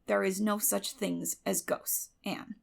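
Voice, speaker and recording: Lady doing a strict older woman guardian, creaky voice, no nonsense, brisk scolding, audiobook style. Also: mid-range voice, steady tone. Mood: flat dismissal. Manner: firm, brisk, scolding, unsympathetic. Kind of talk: dramatic audiobook character acting.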